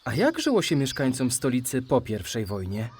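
Eager, curious cartoon critter. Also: male voice, medium pitch, moderate pace, a little hiss or hum. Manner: inquisitive, expressive. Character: curious, eager young male cartoon animal. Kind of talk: children's audio drama.

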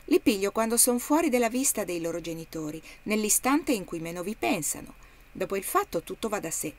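A woman's voice: medium pitch, sing-song, a little fast, lightly acted. Audiobook: woman voicing a persuasive, callous male trader, matter-of-fact. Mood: smug. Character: smooth-talking callous male slave trader.

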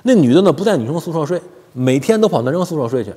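A man's voice: a little high, rapid-fire, breathy edge. A man hosting a casual commentary monologue, joking, laughing often and stumbling over repeated words, on a lapel mic. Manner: animated and joking, frequent laughter and stammered repeats. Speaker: commentary channel host. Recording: long hall reverb.

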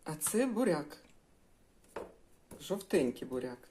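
A woman's voice: low-pitched, very animated, slow pace, warm tone, slight background noise. An older woman chatting in a homely way while she cooks breakfast, addressing her viewers as girls. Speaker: cooking vlogger. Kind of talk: casual cooking vlog.

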